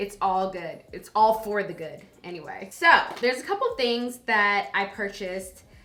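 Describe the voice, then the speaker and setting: A loud, animated woman's voice at a medium pitch, with ordinary pitch variation, a moderate pace and noticeable background noise. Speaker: beauty vlogger. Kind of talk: casual chat.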